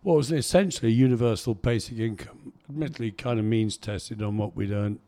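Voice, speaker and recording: A middle-aged man hosting a conversational radio interview, with halting, self-correcting phrasing. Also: lowish voice, dark tone. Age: middle-aged or older. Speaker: radio host.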